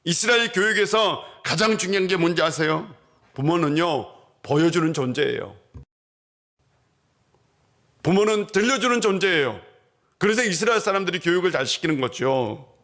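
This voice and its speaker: Delivering a Sunday sermon in a church sanctuary, this male pastor asks his congregation questions and then answers them. He speaks at a moderate pace with lively intonation, long pauses and a fairly bright tone, raising his pitch whenever he acts out quoted voices.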